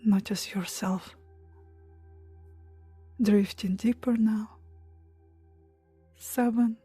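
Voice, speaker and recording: A woman leading a guided meditation in a soft, breathy, hushed and soothing voice, pausing between short phrases. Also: mid-range voice, fairly even intonation, dry recording, soft background music. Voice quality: soft, breathy, near-whisper at times. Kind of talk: guided meditation, hypnotic relaxation countdown.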